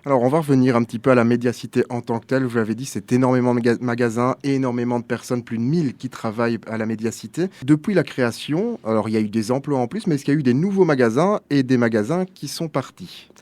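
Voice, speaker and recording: A man's voice: medium pitch, fast, hardly any pauses, a little mellow, no room sound. A man hosting a radio interview, reading neat scripted questions and introductions. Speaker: radio host.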